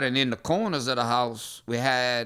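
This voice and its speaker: A bright, sharp voice with an animated tone speaks in a Cajun accent on a very clean recording with a silent background. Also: man. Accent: Cajun Louisiana English. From Louisiana bayou, Terrebonne Parish. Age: 60s. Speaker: political candidate. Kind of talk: casual interview chat. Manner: animated storytelling.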